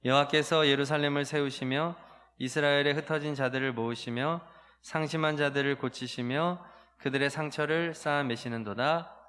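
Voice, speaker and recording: Bright-voiced pastor in his forties. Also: on the high side, fairly even intonation. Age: 40s. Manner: candid storytelling with many filler pauses, rising to emphatic outbursts. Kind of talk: sermon.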